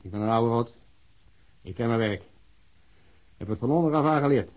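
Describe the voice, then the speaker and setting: An actor playing an older widowed policeman in a radio drama, lonely, curt and stubbornly loyal, with a husky voice. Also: mid-range voice, lively intonation, moderate pace, a little mellow, lightly acted. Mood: defensive, indignant. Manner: curt, defensive, stonewalling. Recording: dull, muffled old radio recording.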